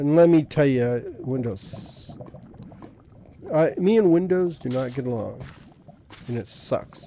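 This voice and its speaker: Quiet, very slow speech with long, frequent pauses, over noticeable background noise. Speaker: gaming video creator. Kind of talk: casual gameplay commentary. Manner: quiet and chill; rambling, hesitant with restarts.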